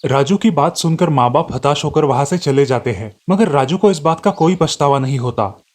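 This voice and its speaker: A man doing scripted cartoon storybook narration in a steady, clear way. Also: a little high, moderate pace.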